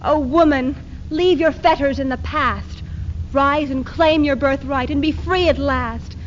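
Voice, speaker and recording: High-voiced defiant feminist played by a woman, muffled tape. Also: steady tone, unhurried. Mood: impassioned. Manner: emphatic, declamatory. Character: defiant feminist woman declaring her liberation and anger. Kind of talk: dramatic readers theater recitation. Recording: muffled 1970s archive tape with hiss.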